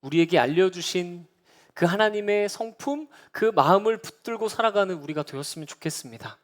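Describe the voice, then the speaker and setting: A man's voice: sits high, brisk. A young man, a junior pastor, preaching a sermon at a midweek prayer service, telling stories earnestly and acting out the words of others. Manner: storytelling, quoting others with lively voices.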